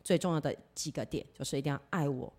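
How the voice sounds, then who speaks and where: A woman's voice: deep voice, fast, a little mellow, husky. A woman telling her personal faith testimony in an earnest storytelling way, acting out the dialogue she quotes. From Taiwan. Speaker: church member giving testimony.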